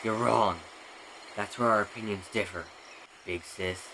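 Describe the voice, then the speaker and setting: An amateur actor playing a defiant, stubborn young tribal outcast in an anime fan dub, on a noisy recording. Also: male voice, on the low side, steady tone, measured pace, pushed and bright, exaggerated voice. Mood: firm, reasoning.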